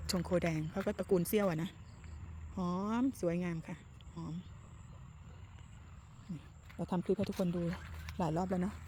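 Middle-aged woman, chatty garden vlog host, talks straight to viewers, outdoor phone recording with faint noise. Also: fairly low pitch. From Thailand. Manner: chatty, addresses viewers directly and asks them questions. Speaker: garden vlogger. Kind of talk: casual garden walk-through vlog.

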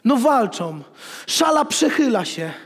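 A man in his thirties, a pastor, preaching an animated sermon with jokes, at a pulpit in a church hall. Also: very high voice, slow, slightly rough. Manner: animated, gestures while preaching, jokes with the congregation. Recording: long reverb of a church hall.

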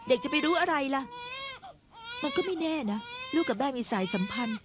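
A gentle, pleading first wife. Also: female voice, sits high, lively intonation, brisk, background noise. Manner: soothing, pleading. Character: gentle first wife soothing her husband. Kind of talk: dubbed period drama.

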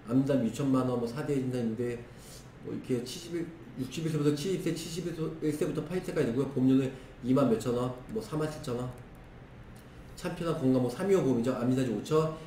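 Hoarse man listing insurance figures. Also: medium pitch, mellow, recorded from a distance. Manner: brisk, listing figures in clipped phrases. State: hoarse, strained throat. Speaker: insurance product explainer. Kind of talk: screen-share product walkthrough. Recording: roomy echo, voice off-mic with faint noise.

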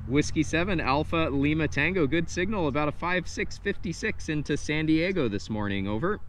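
A man's voice: fairly high pitch, moderate pace. A man in his thirties chatting casually as an amateur radio operator, with an easy, friendly manner. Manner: relaxed, friendly, uses phonetic spelling. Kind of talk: casual radio contact chat. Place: front yard, outdoors. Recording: outdoor recording with clear background noise.

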